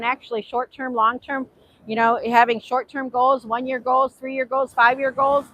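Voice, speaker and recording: High-voiced and sharp in tone, this author and host speaks with a Hungarian accent from her native Hungarian, delivering an earnest motivational faith talk to camera on a beach. She repeats herself a lot and overpronounces each word with care. Audio quality is poor.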